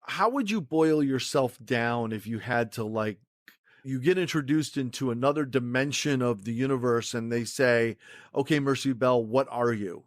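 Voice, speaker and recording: A man's voice: medium pitch, moderate pace, dry recording, clean studio sound. A man hosting a casual interview, asking long rambling questions full of restarts. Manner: rambling, hesitant with many restarts. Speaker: podcast host.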